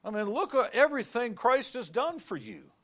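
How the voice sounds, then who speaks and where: A middle-aged man preaching a sermon from the pulpit. His high voice leaps up and down, rising to shouts on the key words. He delivers it in a folksy way, sprinkling in everyday stories. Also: sing-song, moderate pace. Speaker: pastor.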